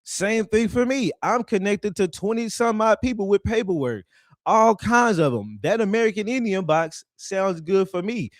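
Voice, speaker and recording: A man with a fairly high voice rants casually to his audience, swearing freely and laughing between jabs. The sound is dry and close, with no room echo. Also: expressive, moderate pace. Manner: profane, laughing, mocking. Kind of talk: casual ranting commentary.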